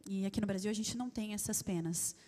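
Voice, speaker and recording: A woman interpreting a guest speaker's talk live in a large church, relaxed and quick to laugh. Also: mid-range voice. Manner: laughs easily, relaxed and conversational. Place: large church auditorium with an audience. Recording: long hall reverb.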